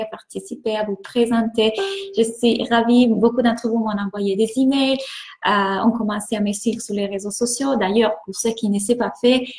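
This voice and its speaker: A woman's voice: medium pitch, reverberant. Italian woman coaching on a livestream. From Italy. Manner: enthusiastic, warm greetings, repeats words. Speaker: mindset coach hosting a live stream. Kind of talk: live stream, greeting viewers.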